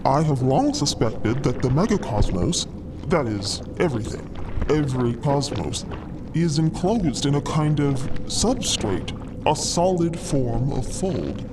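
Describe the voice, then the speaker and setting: A man voicing an excitable, frog-like cosmic explorer who lectures wordily in a fiction podcast. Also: medium pitch, measured pace, noisy background. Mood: lecturing, enthused. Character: eager, frog-like male cosmic explorer, gleeful theorizing savant. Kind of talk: acted fiction podcast dialogue.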